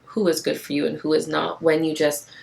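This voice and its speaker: A woman giving a casual, passionate tarot card reading to camera, with a raspy, tired voice and encouraging repetition. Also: deep voice, flat delivery, a little fast, darkish tone. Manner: passionate, encouraging, repeats phrases for emphasis.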